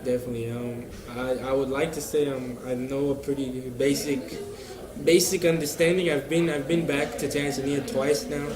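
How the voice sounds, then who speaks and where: A young man speaking from a busy cafe, with chatter around him and a roomy echo on his voice. He answers at an easy pace, relaxed, stopping often to fill gaps and repeat himself. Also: mid-range voice, normal speed. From United States. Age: young adult. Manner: relaxed, hesitant with many fillers and repeats. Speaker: interviewee, university student. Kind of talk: casual interview answers.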